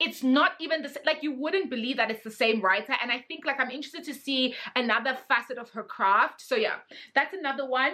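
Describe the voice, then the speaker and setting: A woman with a high pitch and a bright, sharp tone speaks in a raised, projected voice at a fairly quick pace. Her tone is animated, with ordinary pitch variation and big swings in loudness. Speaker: book youtuber. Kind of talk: casual chat. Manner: fast.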